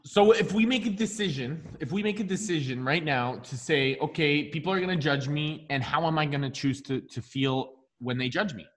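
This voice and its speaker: A man's voice: fairly high pitch, normal speed, hardly any pauses, long reverb tail. Man with a canadian accent coaching. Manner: encouraging, asks questions, frequent restarts. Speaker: mindset coach. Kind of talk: coaching session conversation.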